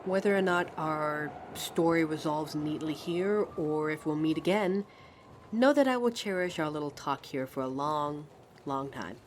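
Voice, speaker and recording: A woman's voice: low-pitched, unhurried. A woman playing a pensive, friendly train passenger in a conversational ASMR roleplay, musing hesitantly as she talks to a stranger. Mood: friendly, shy. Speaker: audio roleplay performer. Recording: steady train ambience noise. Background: train ride sound effects.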